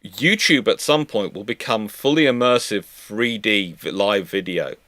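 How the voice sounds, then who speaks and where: Halting male panel host, dry close sound. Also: on the low side, sharp tone, no room sound. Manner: halting, stammering, repeats words. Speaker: host of a live question-and-answer panel. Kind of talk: casual live panel chat, reading viewer questions.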